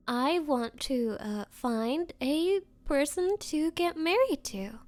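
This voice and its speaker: A woman playing a nervous, obsessive young woman on a date in an anime-style ASMR roleplay, speaking haltingly and flustered. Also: fairly high pitch, dry recording. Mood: hurt, unsettled. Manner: halting, flustered, breathy hesitations. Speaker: roleplay voice performer.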